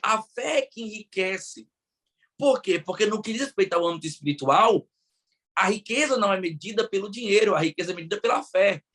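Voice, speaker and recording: Male Brazilian podcast host, enthusiastic and preacherly, slightly high pitch. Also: expressive, brisk, fairly bright tone. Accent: Brazilian Portuguese. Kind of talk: Bible study podcast discussion.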